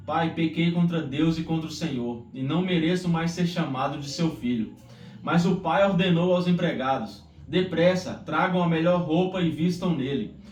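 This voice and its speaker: Brazilian male devotional host, earnest, slightly high voice; prayer and scripture delivery, recorded at a distance from the mic. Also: darkish tone. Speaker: Bible reading host. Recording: roomy echo, distant mic, faint noise.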